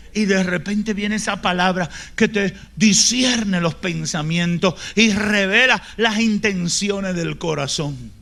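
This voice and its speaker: A man pastor with a Dominican accent preaching a sermon, swinging from loud shouting to soft whispers and acting out the people in his stories. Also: high voice.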